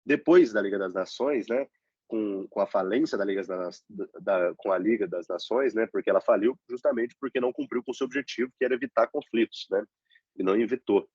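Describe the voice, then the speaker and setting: Young Brazilian teaching assistant, deep voice blocked by a cold, halting delivery, dull dry computer mic. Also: male voice, darkish tone, slightly rough, dry recording. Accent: Brazilian Portuguese. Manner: slow, halting explanation with frequent "né?" fillers. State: congested, stuffy nose from a cold. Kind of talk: online review lesson.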